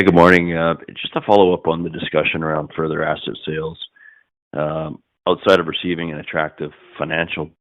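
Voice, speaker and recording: Very deep, even-toned male analyst. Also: no echo. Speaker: financial analyst asking questions. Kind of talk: formal business question. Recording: dull, dry phone-line audio.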